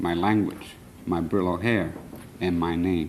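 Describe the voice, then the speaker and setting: A man with a very deep, low voice speaks at a moderate pace with fairly even intonation, and the room echo is audible. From Puerto Rico, then Paterson, New Jersey. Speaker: poet. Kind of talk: poetry reading.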